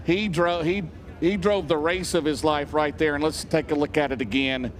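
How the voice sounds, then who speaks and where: A man's voice: a little high, fairly even intonation, normal speed. A man doing play-by-play as a motorsport commentator, calling a live race in short punchy phrases. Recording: vehicle noise behind the voice. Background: race cars outdoors.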